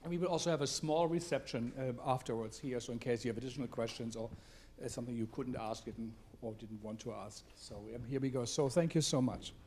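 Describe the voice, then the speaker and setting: A man hosting and introducing an evening talk event, speaking in a halting way with many fillers. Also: mid-range voice, darkish tone, a little hiss or hum. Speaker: event host. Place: theater event space.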